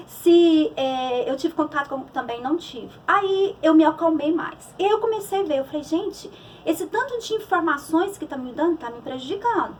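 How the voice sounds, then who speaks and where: A woman's voice: sits high, far from the mic, a little hiss or hum, rough recording. A middle-aged woman psychologist with a Brazilian Portuguese accent, giving a conversational church talk on emotions with many restarts and fillers.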